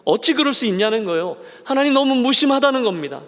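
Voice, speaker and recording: A man preaching a Sunday sermon as a senior pastor, his voice pitched high for a man. He slips into short acted voices of the people in the story. The long reverb of a church sanctuary trails after each phrase. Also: fast. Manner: animated, acts out voices of townspeople and Naomi.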